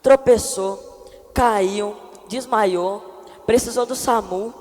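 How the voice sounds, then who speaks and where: A woman's voice: medium pitch, slow pace, a little mellow, natural voice. A woman playing a chatty boy who spreads made-up gossip, talking in an exaggerated, dramatic way in a church skit. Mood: excited gossip. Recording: reverberant church hall.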